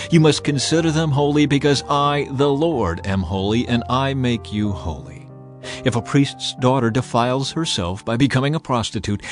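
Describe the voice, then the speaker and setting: Guy narrating the bible, serious and measured, dramatic swings in tone, some music behind him. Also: medium pitch. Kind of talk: dramatized scripture reading, scripted narration.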